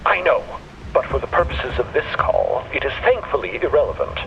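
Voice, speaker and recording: A man's voice: mid-range voice, very animated, normal speed, big-room sound, lo-fi sound, a little hiss or hum, natural voice. A man playing a curt, guarded professor explorer with formal, articulate diction in an audio drama. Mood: curt, irritable. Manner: formal, clipped, evasive. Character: male professor explorer with a mind in a machine body, guarded, curt. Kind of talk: audio fiction podcast acting.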